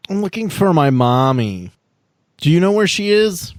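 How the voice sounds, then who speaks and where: A man's voice: fairly high pitch, sing-song, normal speed, dry recording, studio quality, voice pushed up. A man voicing a small, blunt little girl in a tabletop game, with a childlike, pestering way of talking. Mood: innocent, lost. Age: child figure. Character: small, blunt, persistent little girl looking for her mommy.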